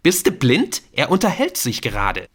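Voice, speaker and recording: A man's voice: medium pitch, wildly swooping pitch, normal speed, a bit bright, husky, pitched above the performer's own voice, exaggerated voice. A man voicing a smug, aggressive schoolboy who sneers at his classmates in an audiobook. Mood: sneering. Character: smug bullying schoolboy, short and pudgy.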